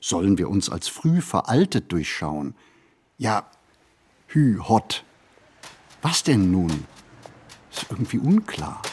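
A male actor playing a brooding, observant city wanderer in a literary radio play, speaking in measured, deliberate phrases. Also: fairly low pitch, big pitch swings, a little mellow, a little hiss or hum. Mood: restless, wry. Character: brooding, observant male city flaneur narrating his thoughts.

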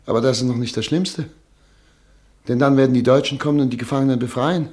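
A man's voice: mid-range voice, quick pace, a little mellow, close to an everyday voice. A man playing an anguished exiled doctor and family man in a German radio drama, speaking earnestly and insistently. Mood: agitated, insistent.

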